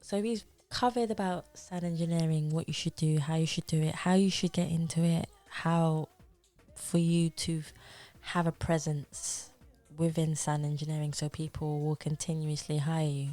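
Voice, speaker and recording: A woman's voice: sits low, fairly even intonation, normal speed, mellow, soft background music. A woman hosting a podcast interview, teasing and playful as she asks questions. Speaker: podcast host.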